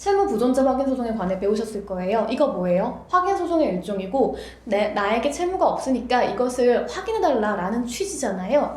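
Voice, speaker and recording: In a room with audible echo and noticeable background noise, a woman talks at a high pitch with very wide pitch swings, very even loudness, a fairly quick pace and hardly any pauses. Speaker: lawyer and law school lecturer. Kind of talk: online lecture. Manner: fast.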